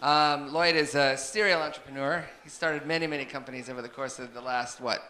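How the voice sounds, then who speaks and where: Middle-aged moderator, echoey room. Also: male voice, medium pitch, steady tone, brisk, bright, forceful tone. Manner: rambling, stumbling over words. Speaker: session moderator introducing the speaker. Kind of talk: casual spoken introduction.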